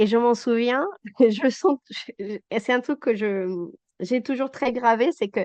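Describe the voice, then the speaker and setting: Her pitch is fairly high, and this woman speaks very slowly with ordinary pitch variation. The sound is dry and close with no echo, over a quiet background. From South America. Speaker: doula. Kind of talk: interview answer.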